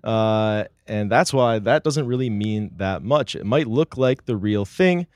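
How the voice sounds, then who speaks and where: A man's voice: lowish voice, animated, measured pace, a little mellow, dry recording. A man hosting a live-streamed interview show, upbeat, reading audience chat aloud with frequent fillers. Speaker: podcast host.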